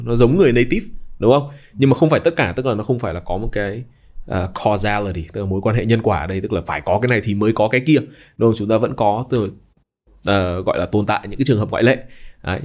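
A man's voice: fairly low pitch, a little mellow. A man hosting a podcast in casual chat, explaining at length and dropping in English terms. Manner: explanatory, mixes in English terms, many fillers. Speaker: podcast host.

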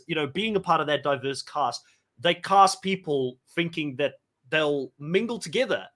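A man's voice: on the high side, fairly bright tone. A man whose first language is Afrikaans, hosting a podcast and putting questions to a guest in a chatty, enthusiastic way. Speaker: podcast host. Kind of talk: casual interview chat.

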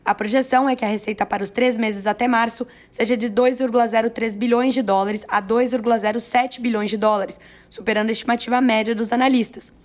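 A hoarse, raspy-voiced woman with a Brazilian accent, hosting a news podcast in a chatty, playful way with self-deprecating asides. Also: fairly high pitch, fairly even intonation, quick pace. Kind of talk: chatty, conversational news narration.

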